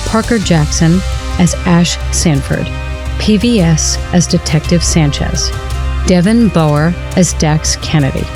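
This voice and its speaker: A woman narrator reading scripted closing credits and announcements for an audio drama series. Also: fairly low pitch.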